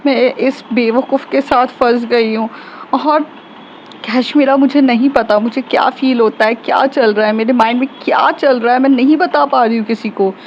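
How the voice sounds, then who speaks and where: Woman putting on a sensitive young girl near tears, hurt n pleading, pitched up, lo-fi dull w faint hiss. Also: fairly even intonation, normal speed, lightly acted. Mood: despairing.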